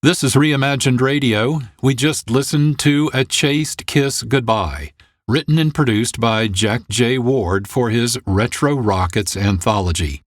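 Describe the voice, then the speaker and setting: Brisk male radio host. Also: mid-range voice, no echo, clean studio sound. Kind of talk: scripted announcing.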